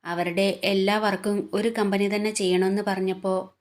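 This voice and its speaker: A woman's voice: medium pitch, level tone, normal speed, natural voice. A woman storyteller voicing a frightened, tearful young woman who speaks timidly. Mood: despairing. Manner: timid, soft, despairing.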